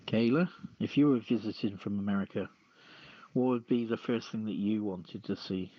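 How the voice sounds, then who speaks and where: A man hosting a podcast, reading aloud and chatting casually in a halting, list-like way. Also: lowish voice. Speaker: podcast host. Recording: muffled lo-fi audio, roomy echo.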